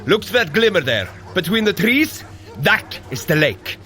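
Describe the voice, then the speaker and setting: An actor playing a noble, protective warrior god, earnest and commanding, in a scripted audio adventure. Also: male voice, sits high, very animated, normal speed, sharp tone, faint music behind, full character voice. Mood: urgent.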